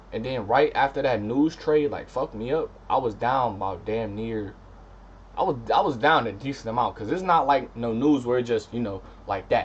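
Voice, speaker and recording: Somewhat breathy, a man's voice keeps to a moderate pace. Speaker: forex day trader and video creator. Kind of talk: casual trading commentary. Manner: casual, slangy; halting, stutters and stumbles over words.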